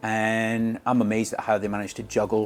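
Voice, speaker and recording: Music plays in the background. A man with a Scottish accent speaks at a medium pitch. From Scotland. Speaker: military medic and nurse. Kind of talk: interview. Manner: halting, many fillers and repetitions.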